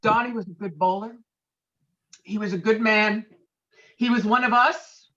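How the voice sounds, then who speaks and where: A woman's voice: mid-range voice, steady tone, a little slow, a bit bright, lo-fi sound, close to an everyday voice. A woman playing a hot-headed, pompous middle-aged male veteran and bowler in an online script read. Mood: solemn, pompous. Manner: blustering, pompous, foul-mouthed. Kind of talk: virtual table read of a film script. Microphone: video call.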